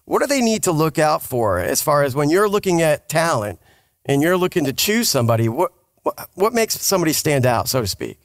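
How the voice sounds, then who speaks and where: Guy podcast host, slightly high voice, very dry sound, casual rambly questions. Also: very animated, a little fast, no room sound. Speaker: podcast host interviewing a guest. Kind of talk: casual interview chat.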